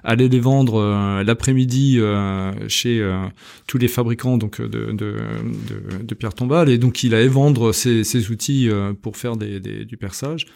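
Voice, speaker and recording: A man's voice: on the low side, steady tone, unhurried, creaky, a little mellow. A man in his fifties from France, a company director talking in a casual interview, hesitant with many fillers and restarts. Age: 50s. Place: company premises.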